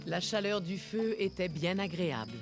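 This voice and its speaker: A woman narrating a children's cartoon as a gentle, expressive storyteller. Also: fairly low pitch, moderate pace. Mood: gentle, storytelling. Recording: music behind the voice.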